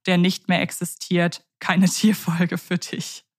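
A woman's voice: on the low side, level tone. German woman co-hosting a chatty podcast. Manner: thoughtful, self-correcting, measured. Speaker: podcast co-host. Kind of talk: casual chat about radio plays.

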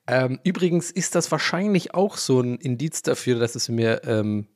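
A man's voice: mid-range voice, lively intonation, normal speed. Rambling man whose first language is English. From Ireland. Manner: rambling, loses his thread, laughs at himself. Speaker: podcast host. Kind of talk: casual solo podcast chat.

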